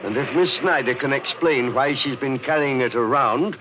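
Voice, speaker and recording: A man's voice: mid-range voice, normal speed, lightly acted. An actor playing a polite but stubborn, watchful male servant, formal and insinuating in 1940s radio mystery style. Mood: accusing. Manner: formal, deferential yet insinuating. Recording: muffled, noisy old-time radio recording.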